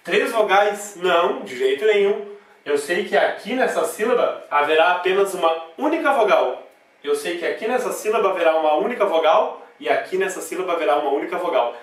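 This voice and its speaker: A man's voice: high voice, lively intonation, normal speed. A man with a Brazilian accent giving a grammar lesson at a board, emphatic, repeating key words and checking in with "tá?" as he explains. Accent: Brazilian Portuguese. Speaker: grammar teacher. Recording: very echoey room, voice from a distance.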